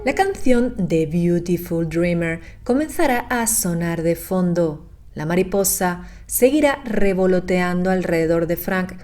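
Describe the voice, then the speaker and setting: A woman delivering scripted narration for a horror recap, in a measured, explanatory manner. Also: lowish voice, a little mellow.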